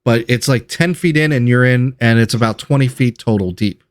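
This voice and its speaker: A man's voice: mid-range voice, a little fast, no room sound. Man running a tabletop game, dry close mic. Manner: rambling, self-correcting descriptions. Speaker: game master. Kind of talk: narrating a tabletop game session.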